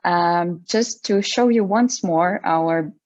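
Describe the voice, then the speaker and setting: A woman's voice: lowish voice, takes it slowly, darkish tone, dry recording, highs cut off. A young woman from Ukraine, a student, presenting slides in a friendly way on a video call. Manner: friendly, clear, with some "um" fillers.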